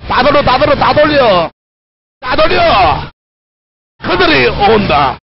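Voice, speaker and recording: Frantic high-voiced male game streamer. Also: expressive, unhurried, noisy background. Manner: loud, frantic, yelling and swearing at teammates. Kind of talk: live gameplay commentary. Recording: muffled stream audio with game music.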